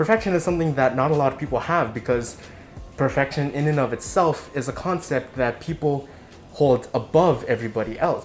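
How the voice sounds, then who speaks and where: A man talks at a fairly quick pace with a non-native accent. His pitch is fairly high, with ordinary variation. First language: not English. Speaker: mental health vlogger. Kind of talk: casual monologue. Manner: halting.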